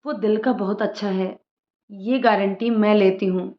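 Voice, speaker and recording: A woman voicing a lively young woman, an outspoken sister-in-law who jokes and bosses others around. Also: medium pitch, a little slow, lightly acted. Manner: bossy, joking, outspoken. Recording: roomy lo-fi room sound.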